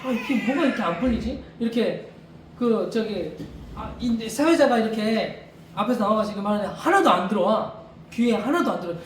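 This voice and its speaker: A man's voice: high voice, animated, brisk. A man preaching an informal sermon as a missionary, talking conversationally, repeating rhetorical questions, chuckling and restarting his sentences, in a church during a service. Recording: echoey room, far mic, faint noise.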